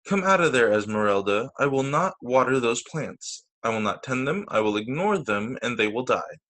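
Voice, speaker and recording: A man's voice: mid-range voice, animated, normal speed, a bit bright, close to an everyday voice. A man voicing a stubborn, exasperated white-haired older woman in a children's storybook, with emphatic delivery. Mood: disgusted, determined. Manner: emphatic, indignant declarations.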